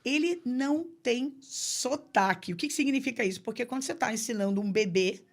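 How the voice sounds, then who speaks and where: A woman's voice: on the high side, expressive, fairly quick. A woman with a Brazilian accent, an English pronunciation teacher, explaining emphatically in a podcast conversation. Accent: Brazilian Portuguese. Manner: emphatic, explanatory, acts out quoted voices.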